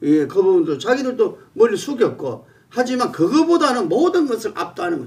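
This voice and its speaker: A man's extremely high pitch with very wide pitch swings at a moderate pace. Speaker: political news outlet head and talk show host. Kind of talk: political panel discussion. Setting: studio, live YouTube stream.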